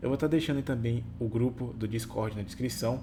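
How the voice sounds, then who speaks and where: Somewhat breathy, a man speaks at a medium pitch with a dark, mellow tone. His pace is moderate and his intonation fairly even. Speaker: YouTube lore narrator. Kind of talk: casual outro to viewers; scripted narration. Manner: halting, stumbles on words.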